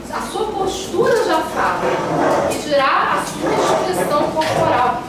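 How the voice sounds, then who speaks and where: A woman with a Brazilian accent giving a classroom lecture as a teacher, in a didactic way, repeating key phrases for emphasis. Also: high-pitched. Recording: echoey room, distant mic, noisy.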